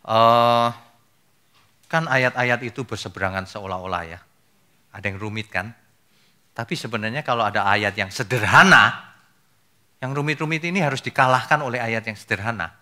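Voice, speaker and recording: A man gives a teaching sermon in a very bright voice. He is casual and emphatic, and he keeps asking the audience rhetorical questions. His voice sits at a middle pitch. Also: moderate pace, pauses often. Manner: colloquial and conversational. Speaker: pastor.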